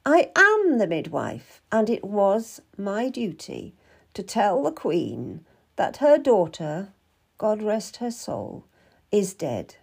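A woman's voice: medium pitch, huge pitch swings, slow, creaky, breathy edge, full character voice. A woman voicing a stern, secretive older midwife in a storybook, commanding and solemn in manner.

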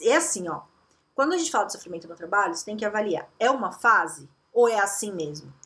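A woman career coach giving emphatic, animated advice straight to the viewer. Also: mid-range voice, fast. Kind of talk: direct-to-camera advice talk.

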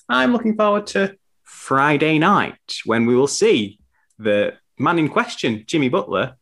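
A man's voice: medium pitch, fairly bright tone. A young man hosting a casual sports podcast over a video call, chatty and rambling, often correcting himself. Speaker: podcast host.

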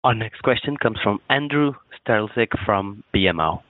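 A man's voice: lowish voice, animated, normal speed, dry recording, narrow, tinny audio. A man working as a conference call operator, making short scripted announcements. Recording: dry, phone-band line.

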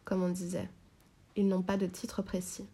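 Mellow-voiced woman reading a novel aloud. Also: on the low side, monotone, moderate pace, husky. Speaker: reader.

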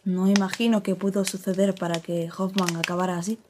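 A woman's voice: mid-range voice, level tone, a little fast, natural voice. Actress doing a curious lady asking short questions, mid voice, noisy hissy recording. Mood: inquiring. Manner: probing, brief questions. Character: young woman questioning a witness.

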